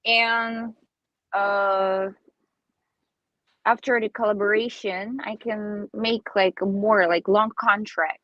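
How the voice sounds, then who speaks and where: A woman's voice: mid-range voice, fairly even intonation, no echo, highs cut off. Armenian woman answering in careful English. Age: 20s. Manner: halting non-native English, searching for words. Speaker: singer guest. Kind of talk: casual interview answers.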